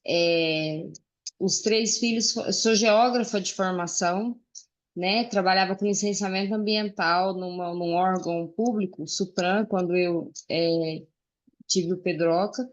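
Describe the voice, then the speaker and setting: A woman's voice: fairly low pitch, fairly even intonation. Earnest woman in her 40s. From Uberlândia, Minas Gerais, Brazil. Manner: earnest, pausing often with "é" and "né". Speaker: guest speaker. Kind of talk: personal testimony in a friendly chat. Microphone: video call.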